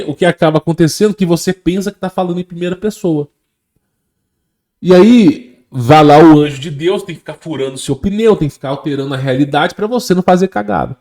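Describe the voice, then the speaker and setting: Emphatic Brazilian man, mellow and animated. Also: on the high side. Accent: Brazilian Portuguese. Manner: emphatic, repeats phrases, acts out quoted voices. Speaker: online religious speaker. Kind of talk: impassioned religious talk.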